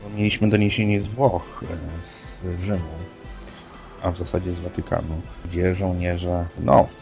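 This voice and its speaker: Low, gravelly man talking haltingly. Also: little pitch movement, a little mellow. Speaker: podcast co-host. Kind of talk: unscripted paranormal news discussion. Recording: music playing under the voice. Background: music.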